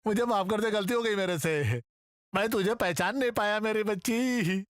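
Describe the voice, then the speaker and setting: A man dubbing a boastful comic actor who taunts and brags loudly. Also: sits high, moderate pace, dry recording, studio quality, close to an everyday voice. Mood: pleading. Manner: bragging, taunting, then wailing for mercy. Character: swaggering, boastful male film actor. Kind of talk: Hindi film dubbing.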